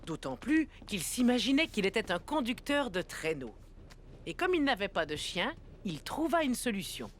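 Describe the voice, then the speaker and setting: A woman narrating a children's cartoon like a gentle storybook reader. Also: mid-range voice, big pitch swings, moderate pace, slight background noise, close to an everyday voice. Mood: warm storytelling.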